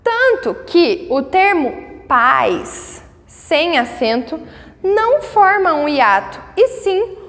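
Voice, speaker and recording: A Brazilian woman teaching a grammar lesson, patiently checking in with her students and sounding out words slowly syllable by syllable. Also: very high-pitched, big pitch swings, a bit bright, in a large hall. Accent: Brazilian Portuguese. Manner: patient, checks in often with tags.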